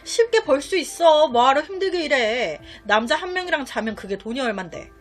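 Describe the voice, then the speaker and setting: A woman doing a pushy boastful teen girl, high lively voice, faint music under it. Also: fairly quick. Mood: coaxing. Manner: coaxing, boastful. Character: brazen delinquent teenage girl tempting a friend.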